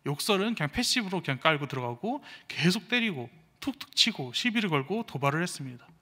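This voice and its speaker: A man's voice: on the high side, a little fast, slightly rough. Young man preaching in an echoing church. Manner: animated storytelling, acting out quoted speech. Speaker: evangelist preaching. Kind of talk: sermon with personal testimony. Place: church sanctuary. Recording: reverberant church hall.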